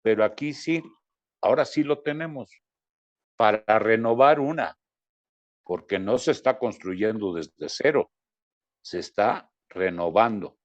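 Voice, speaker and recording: A Mexican journalist co-hosting a talk show, giving blunt opinions and quick quips. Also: male voice, lowish voice, no room sound. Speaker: journalist co-host. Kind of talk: casual talk show chat.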